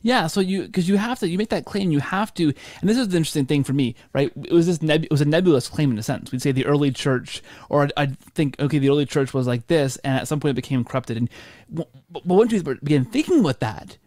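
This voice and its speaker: A man in his thirties hosting a podcast over a video call, thinking aloud in halting, repeated phrases. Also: fairly high pitch, animated, a little mellow, no room sound, studio quality. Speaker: podcast host. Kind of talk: casual podcast discussion. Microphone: video call microphone.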